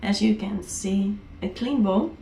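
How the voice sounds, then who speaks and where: Woman, Dutch accent, raspy throat, chatty with fillers, roomy apartment, faint background hum. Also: medium pitch, measured pace, mellow. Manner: chatty, with many fillers and restarts. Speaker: vlogger, mom. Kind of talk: casual home vlog. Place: apartment kitchen.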